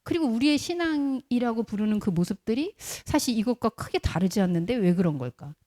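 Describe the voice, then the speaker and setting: A woman's voice: on the high side, animated, fairly quick, mellow. A woman pastor preaching a conversational sermon, telling stories and asking the congregation rhetorical questions. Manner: briefly acts out quoted voices in the middle of speech.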